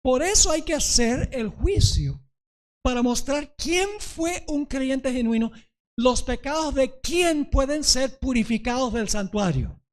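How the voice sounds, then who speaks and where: A man's voice: very high-pitched, expressive, a little slow. A male pastor giving a sermon, often checking whether the congregation understands and retelling a parable dramatically. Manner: preaching, often asking the congregation if they understand.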